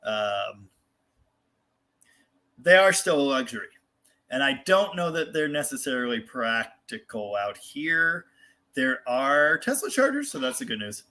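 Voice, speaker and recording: This American man hosts a live car show over a casual livestream, his voice bright, forward and pitched in the middle, with a sing-song lilt. He answers viewer comments in a rambling, candid way, swearing mildly and readily making fun of himself.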